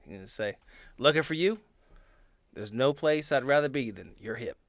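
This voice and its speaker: A man's voice: medium pitch, animated, moderate pace, creaky, no room sound. Dry-sounding man describing his game character. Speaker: tabletop game player.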